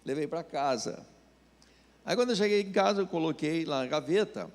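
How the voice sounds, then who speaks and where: A man's voice: on the high side, expressive, normal speed, big-room sound. A Brazilian man, a pastor preaching a sermon, telling a personal story and acting out the voices in it. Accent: Brazilian Portuguese.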